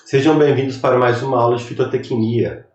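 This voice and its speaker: A man's voice: medium pitch, steady tone, a little fast, a little mellow, roomy sound, distant mic, dull audio. A man in his thirties with a Brazilian Portuguese accent, giving a recorded online lecture in a rambling, conversational way while he recovers from a cold. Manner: rambling, conversational, chatty asides. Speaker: university lecturer.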